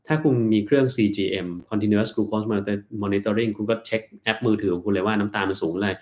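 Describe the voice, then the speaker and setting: A man's voice: fairly low pitch, steady tone, fairly quick, darkish tone. A man, a doctor on a live stream, who reads out viewers' questions and answers them bluntly.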